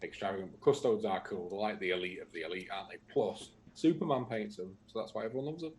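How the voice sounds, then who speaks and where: Chatty man with a low voice. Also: fast, slight background noise. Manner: chatty, reads out comments with asides. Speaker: co-host reading viewer comments. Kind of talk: casual livestream chat.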